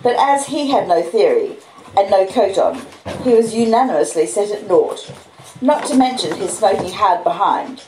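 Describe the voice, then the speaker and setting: A woman's voice: mid-range voice, a little mellow. Australian female storyteller, mid-range voice, live-stream reading in a roomy, echoey space with light background noise. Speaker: streamer reading novels aloud. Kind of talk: expressive audiobook-style reading of a classic novel with casual chat. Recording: roomy echo, clear background noise or hiss.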